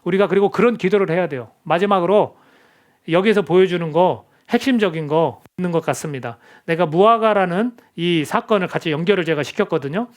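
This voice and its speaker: A middle-aged male pastor delivers a sermon in a church in a fairly high voice. He talks earnestly and conversationally and keeps turning to the congregation with questions. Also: a little fast. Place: church sanctuary.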